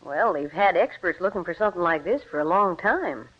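A loving farm wife voices her worries with gentle skepticism. Her pitch moves around a lot. The sound is dull and lo-fi, like an old radio broadcast. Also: lively intonation, brisk. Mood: concerned. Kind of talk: 1940s radio acting.

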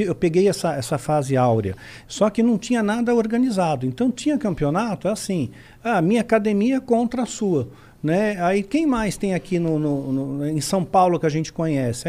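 A man with a Brazilian accent telling a story in casual chat, acting out voices as he goes. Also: high-pitched. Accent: Brazilian Portuguese. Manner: animated, acts out quotes. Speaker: podcast guest.

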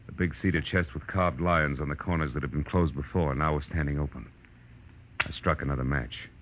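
A noisy, muffled old radio recording of a hard-boiled private eye. His voice is extremely low, and he delivers his lines in a wry, terse, world-weary 1940s noir manner. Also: steady tone, a little fast, a bit bright. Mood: wry, tense narration. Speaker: narrator and lead detective.

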